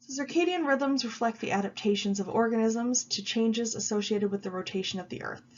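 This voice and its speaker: A woman giving a recorded video lecture while she has a cold, explaining at an even pace with frequent ums. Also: on the high side, brisk, husky, highs cut off. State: stuffy with a cold. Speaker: college psychology instructor.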